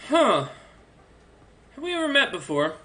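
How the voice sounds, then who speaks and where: A man voicing a massive male red orc emperor who speaks calmly and matter-of-factly, even about threats. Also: extremely high pitch, unhurried, pitched above the performer's own voice, exaggerated voice. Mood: curious. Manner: calm, dry, matter-of-fact threats.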